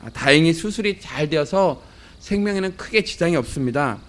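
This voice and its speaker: A man voicing a calm, patient surgeon who soothes a worried father in a story told during a sermon. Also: a little high, brisk. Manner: gentle and soothing.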